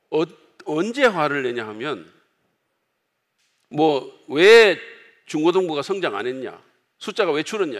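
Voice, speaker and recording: A male pastor delivers a sermon in a relaxed, conversational way, speaking directly to his congregation. His voice sits a little higher than most men's. The words trail off into the long reverb of a church sanctuary. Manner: conversational preaching, acts out quoted outbursts loudly.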